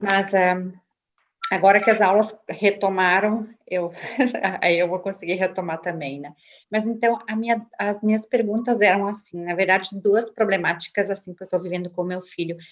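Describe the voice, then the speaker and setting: A woman at a moderate pace in a slight gaúcho accent. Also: medium pitch for a woman, fairly even intonation. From Rio Grande do Sul, southern Brazil. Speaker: parent seeking advice. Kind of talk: advice podcast conversation. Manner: halting.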